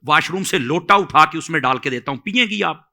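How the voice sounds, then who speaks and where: A man's voice: on the high side, expressive, brisk, pushed and bright. A man with a Pakistani accent giving religious advice as an Islamic scholar, admonishing emphatically and repeating phrases to drive them home.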